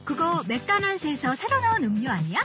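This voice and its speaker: A woman's voice: high voice, brisk. An actress playing an eager young woman who keeps pleading for a sip of a friend's drink in a radio ad skit. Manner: pleading, excited. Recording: lo-fi radio ad over music.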